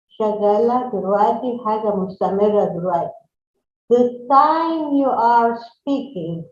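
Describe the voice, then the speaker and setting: A woman with an Egyptian accent teaching an English grammar lesson, speaking slowly and deliberately and repeating each phrase. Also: fairly high pitch, a little mellow, slight background noise. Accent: Egyptian Arabic. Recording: echoey room, dull lo-fi sound.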